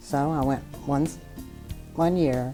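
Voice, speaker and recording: Music plays behind a woman with a Texan accent. Her very deep, low pitch has ordinary variation. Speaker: retired telephone company manager. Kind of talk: oral history interview answer.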